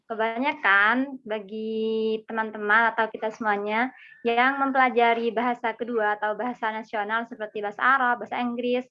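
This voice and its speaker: A woman's voice: fairly high pitch, lo-fi sound. A young woman with a Madurese accent, a student politely asking a rambling, hesitant question in an online class.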